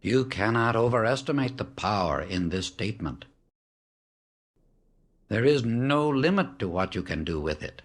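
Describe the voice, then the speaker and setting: A man with a fairly low voice narrates a spiritual audiobook. His delivery is solemn and measured, with each phrase set out as a firm declaration. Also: animated.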